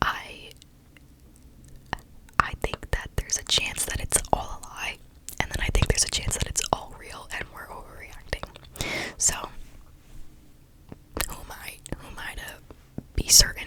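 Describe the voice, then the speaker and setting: A woman whispers at a moderate pace with long, frequent pauses and big swings in loudness over noticeable background noise. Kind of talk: ASMR fun-facts reading, casual talk to camera. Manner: whispered.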